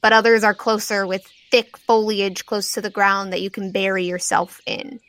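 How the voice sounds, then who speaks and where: A woman's voice: mid-range voice, level tone, normal speed, a bit bright, dry recording. Female host and game master, mid-range voice, descriptive tabletop story narration. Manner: descriptive, scene-setting.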